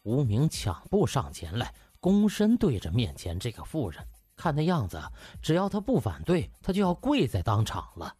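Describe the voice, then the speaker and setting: A man's voice: mid-range voice, wildly swooping pitch, normal speed, hardly any pauses, dark tone, breathy edge, no echo. A man narrating an audiobook in a dramatic, scripted storytelling style. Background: faint music.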